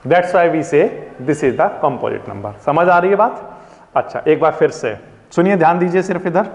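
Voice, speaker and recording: A man teaching a classroom maths lesson in Hindi mixed with English words, asking his pupils questions and then answering them himself. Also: fairly high pitch. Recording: dull echoey classroom recording.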